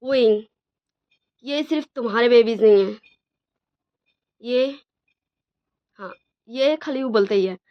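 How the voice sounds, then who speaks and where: A stern older uncle who is used to being obeyed, read by a woman in her own voice. The voice is fairly high for a woman, on a dull lo-fi recording. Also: takes it slowly, long pauses, dry recording.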